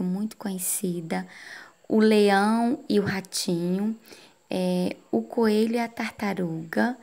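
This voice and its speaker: A woman teacher giving a recorded lesson to adult students, explaining slowly and checking in with frequent tag questions. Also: mid-range voice, gravelly, a little mellow.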